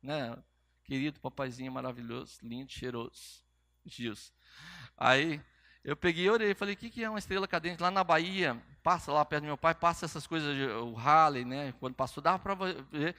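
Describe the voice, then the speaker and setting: A middle-aged Brazilian man preaching, telling a personal story with lively quoted dialogue. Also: a little high, moderate pace, no echo. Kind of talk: sermon testimony.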